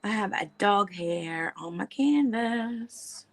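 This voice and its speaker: A woman's voice: mid-range voice, lively intonation, slow. A woman in her forties, a guest in a casual live chat, talking in a laid-back way and chuckling now and then. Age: 40s.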